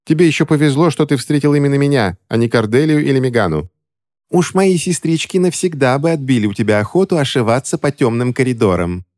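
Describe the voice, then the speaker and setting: A man's voice: mid-range voice, expressive, fast, a little mellow, no echo, studio quality, voice pushed up, natural voice. A man reading an audiobook voices an eccentric, stern woman of the manor who speaks in a cold, mocking, commanding way.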